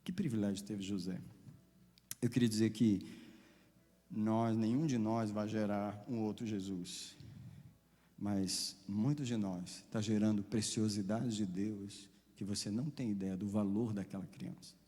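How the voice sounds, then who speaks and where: A man preaching a sermon as a pastor, impassioned, with dramatic swings between loud and soft. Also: lowish voice, steady tone, unhurried, in a large hall.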